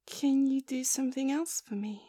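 A young woman in first-person audio roleplay, with a soft, breathy, whispery, pleading way of talking. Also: sits high, normal speed, no room sound, clean studio sound.

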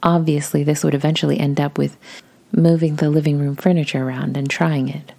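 A woman with a raspy voice, reading a post aloud in a soft, casual whisper. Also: deep voice, level tone, brisk. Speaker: audio creator reading posts.

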